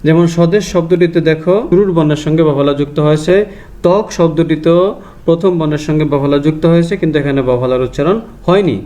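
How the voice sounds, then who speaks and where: Man, Bangladeshi Bengali accent, teacher, methodical, repeats rules, slightly high voice, mellow. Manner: methodical, repeats each rule slowly. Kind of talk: grammar lesson to students.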